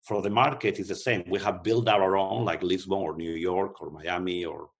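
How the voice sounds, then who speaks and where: A man's voice: low-pitched, fairly even intonation, moderate pace, gravelly. A man from Spain with a Spanish accent, an executive answering interview questions thoughtfully, often restarting with fillers. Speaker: company executive.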